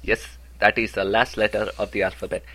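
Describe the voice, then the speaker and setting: A man's voice: on the low side, flat delivery, brisk, sharp tone. A man co-hosting a comedic podcast, speaking with formal, earnest phrasing. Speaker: podcast co-host.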